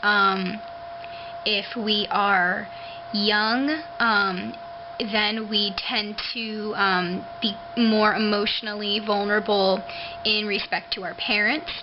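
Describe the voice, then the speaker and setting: A woman vlogger talking casually and haltingly to her webcam, with drawn-out, hissing s sounds like a lisp. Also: medium pitch, fairly even intonation. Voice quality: lisping, hissy drawn-out s sounds. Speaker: video blogger. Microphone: webcam microphone. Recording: noisy dull webcam audio, hissing sibilance.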